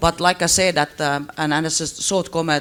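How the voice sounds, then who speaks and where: A man's fairly high pitch with ordinary pitch variation and a fairly quick pace. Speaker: industry panelist. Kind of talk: panel discussion.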